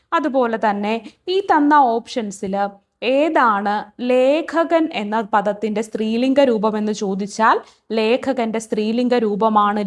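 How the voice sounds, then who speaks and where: A woman teaching as an exam-prep tutor. She reads each question, then repeats the answer several times. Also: a little high.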